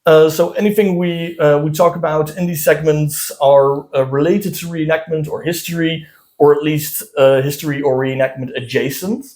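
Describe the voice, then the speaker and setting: A man from the southern Netherlands whose first language is Dutch, co-hosting a casual podcast chat in a room indoors, talking haltingly with many fillers and restarts. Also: on the high side, fairly even intonation, a little mellow. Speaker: podcast co-host.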